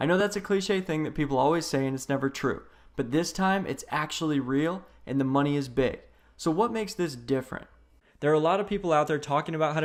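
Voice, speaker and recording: A man's fairly high, animated voice at a very fast pace, with ordinary pitch variation, on a very clean recording with a silent background. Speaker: network marketing presenter. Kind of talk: sales pitch.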